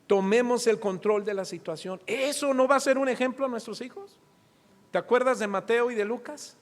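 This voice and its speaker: This middle-aged Mexican man, pastor of the congregation, delivers his sermon at normal speed in an extremely high voice with a Mexican Spanish accent. He asks the listeners rhetorical questions and acts out little family anecdotes, all echoing around a reverberant church hall.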